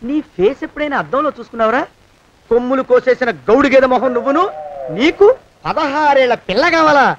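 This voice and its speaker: High-voiced pestering servant, blackmailing his boss, nagging and needling, film comedy scene. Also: a little fast, muffled recording. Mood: scolding. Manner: nagging, keeps pestering with a repeated question. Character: scheming male servant turned blackmailer.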